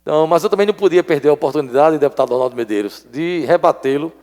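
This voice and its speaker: A man's voice: a little high, racing, darkish tone. A man, a state legislator making an emphatic floor speech and repeating his points for stress. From Alagoas, Brazil. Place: legislative assembly chamber. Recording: long reverb of an assembly chamber.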